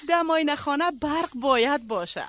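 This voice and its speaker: An actress playing a determined, gracious village nurse in a radio drama, speaking politely and earnestly with an Afghan accent. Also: female voice, high-pitched, fairly bright tone, no room sound.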